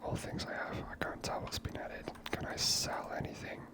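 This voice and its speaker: A person giving ASMR game commentary in a soft, unvoiced whisper, gently musing aloud. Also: moderate pace. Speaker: video game player and narrator.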